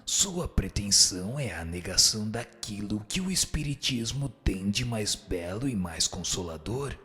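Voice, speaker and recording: A man playing a grave, admonishing spirit teacher in a scripted audio drama, speaking in a solemn, measured, didactic way. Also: fairly low pitch, sing-song, sharp tone, faint music behind, exaggerated voice. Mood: solemn, instructive.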